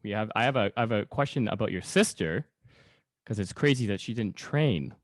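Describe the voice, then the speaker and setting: A man hosting a podcast in casual chat, with halting, rambling phrasing. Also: fairly low pitch, animated, dry recording, studio quality. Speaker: podcast host.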